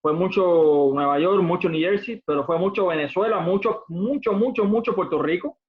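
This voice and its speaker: A man interviewing a guest, giving short affirmations and measured remarks in a casual talk. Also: high-pitched, slightly rough. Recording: tinny phone-like line.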